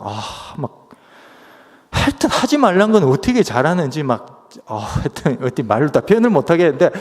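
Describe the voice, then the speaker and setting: Lively-voiced man preaching in a church hall. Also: fairly high pitch. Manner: conversational storytelling with many fillers. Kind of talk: sermon with personal story.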